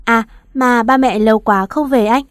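A woman voicing a hurt, gentle young wife in a read-aloud story, sounding close and dry. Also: on the high side, normal speed, no room sound, close to an everyday voice. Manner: pleading, then confronting.

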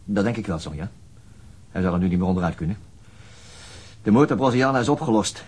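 An actor playing a sober, determined police detective in a radio crime drama, terse and matter-of-fact, with a husky voice. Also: male voice, on the low side, lively intonation, fairly quick, darkish tone. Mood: restrained, grateful.

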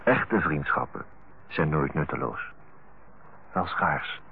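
An actor playing an earnest, tender brother in a Dutch radio play, speaking in a solemn, eloquent, husky voice. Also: male voice, extremely low pitch, expressive, slow, slight background noise, exaggerated voice. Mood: earnest, reproachful. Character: earnest, tender brother counselling his older-aged sister. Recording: muffled, phone-like old radio recording.

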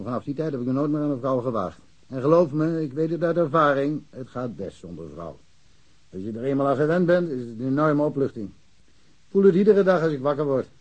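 An actor playing a frank, middle-aged provincial police chief in a radio drama, candid and musing with a wry streak. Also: male voice, mid-range voice, a little mellow, slightly rough, muffled recording. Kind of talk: naturalistic radio drama dialogue.

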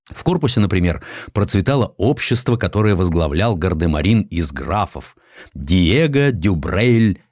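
A man narrating a literary historical story as an audiobook, in a measured, theatrical storytelling manner. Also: on the low side, a little mellow, no room sound, clean studio sound. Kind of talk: expressive scripted literary narration.

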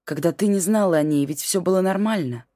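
A woman reading as a calm, stubborn middle-aged husband who speaks in a steady, tired and curt manner. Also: on the low side, a little fast, no echo, clean studio sound, lightly acted. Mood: soothing.

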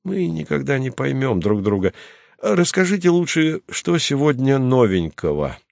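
A man's voice: mid-range voice, very animated, moderate pace, vocal fry, a little mellow, dry recording, clean studio sound, voice pushed up. A man reading the part of a famous, playful starship pilot who is teasing and easily offended, in an audiobook. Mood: capricious. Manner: whimsical, teasing, lightly offended.

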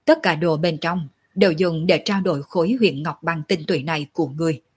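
A woman's voice: low-pitched, slightly rough. A woman voicing a dignified, commanding old male clan patriarch in a storybook reading. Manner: measured, commanding, calls himself old man.

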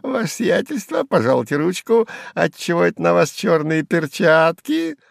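A jeering old hanger-on. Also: male voice, very animated, moderate pace, gravelly, no room sound, studio quality, heavily acted. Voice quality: squeaky, chattering. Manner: taunting, cackling, sing-song. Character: shrill jeering old male hanger-on, mocking. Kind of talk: audiobook character voice.

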